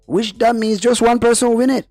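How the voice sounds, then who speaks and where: A man from Cameroon talking about his business in a podcast conversation, getting animated when he stresses a point. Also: very high voice, a little fast, no room sound, soft background music. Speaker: guest investor.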